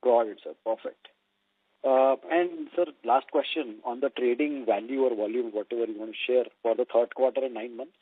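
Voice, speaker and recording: A man's voice: mid-range voice, normal speed, husky, dry recording. An Indian-accented man, an analyst politely asking questions on an earnings call. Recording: dry, dull band-limited phone line.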